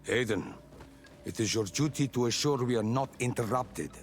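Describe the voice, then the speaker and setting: A man's voice: mid-range voice, normal speed, faint music behind, close to an everyday voice. A man playing an authoritative tribal healer priest in a video game, solemn, formal and commanding. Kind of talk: video game cutscene acting.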